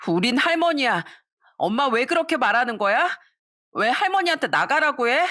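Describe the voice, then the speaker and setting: Brief: distressed kids' voice, high and pleading, put on by a woman narrator. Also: big pitch swings, moderate pace, bright, forceful tone, full character voice. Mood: upset protest. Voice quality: childlike, pleading. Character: upset young grandchildren, protesting.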